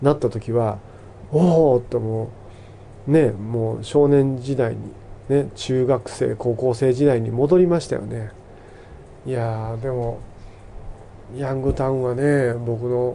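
Dark and mellow in tone, a man speaks very slowly with fairly even intonation and long, frequent pauses. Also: medium pitch for a man. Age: 50s. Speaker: radio show host, writer. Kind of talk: solo radio monologue.

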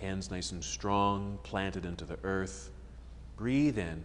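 A man's fairly low, calm voice at a moderate pace, with light background noise. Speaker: yoga instructor. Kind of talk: guided yoga class instruction. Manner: brisk, cueing poses in rhythm with breath; calm, encouraging. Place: gym.

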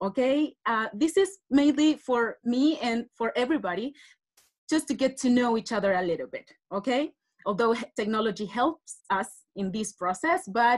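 Against a quiet background, a woman speaks at a moderate pace. Her high-pitched voice has lively intonation. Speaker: webinar presenter, teacher trainer. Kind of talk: online presentation. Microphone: video call.

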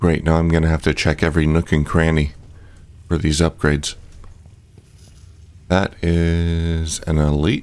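A man's very deep, low voice at a moderate pace, monotone and flat, with very even loudness and long, frequent pauses. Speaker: gaming let's play streamer. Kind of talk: casual gameplay commentary. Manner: casual, hesitant with fillers.

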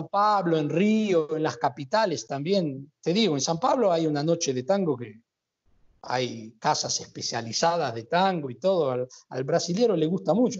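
Over a quiet background, a man with an Argentine accent speaks at a moderate pace, with fairly high pitch and lively intonation. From Brazil. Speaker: tango singer. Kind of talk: interview answer. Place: home room.

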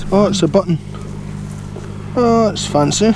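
A man at a fairly slow pace, with a dry sound, no echo, and noticeable background noise. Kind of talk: casual vlog chat. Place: open country. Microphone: phone near.

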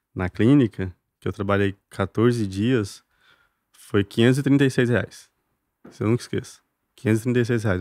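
Recorded very cleanly against a silent background, a man speaks at medium pitch and a very slow pace, the sound dry and close with no echo. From Brazil, countryside. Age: 30s. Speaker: veterinarian. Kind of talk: casual interview.

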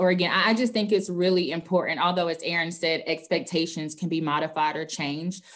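A woman with an ordinary speaking voice and an American accent, fairly low in pitch with ordinary pitch variation, at a moderate pace against a quiet background. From Greensboro area, North Carolina. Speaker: library community engagement staff. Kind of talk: panel presentation.

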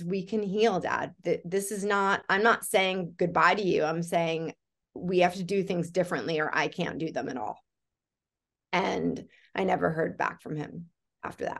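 A woman performs a put-on character voice, raspy and fairly low in pitch, at a moderate pace. Long, frequent pauses break her speech against a quiet background. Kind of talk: interview answer. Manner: earnest, tearful.

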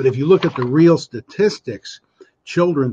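The voice has a Chicago accent and ordinary pitch variation. It sounds somewhat breathy. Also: man. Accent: Chicago American. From Chicago, US Midwest. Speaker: family lawyer. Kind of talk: panel discussion. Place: home room. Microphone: video call.

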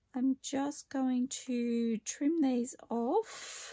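A woman's high-pitched voice, dark and mellow in tone, over a quiet background. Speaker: craft YouTuber. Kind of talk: craft tutorial vlog. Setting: home craft room. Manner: soft-spoken. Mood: relaxed, cheerful. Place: home room.

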